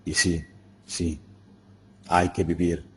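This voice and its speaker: A man voicing an anguished elderly village priest in an audiobook reading, speaking softly and sorrowfully. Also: sits low, little pitch movement, takes it slowly, a little hiss or hum.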